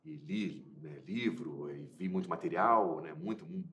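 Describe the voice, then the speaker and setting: Low-voiced hesitant man in echoey room. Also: measured pace, fairly bright tone, slight background noise. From Minas Gerais, Brazil. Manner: hesitant, many repeated fillers and restarts. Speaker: actor interviewed about his film. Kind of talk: casual interview answers.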